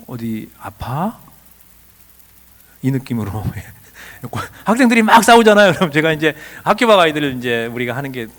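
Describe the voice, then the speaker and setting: Animated man giving a church seminar. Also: fairly high pitch. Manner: asks rhetorical questions, acts out quoted dialogue. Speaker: lecturer at a church teacher training. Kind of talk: lively seminar lecture.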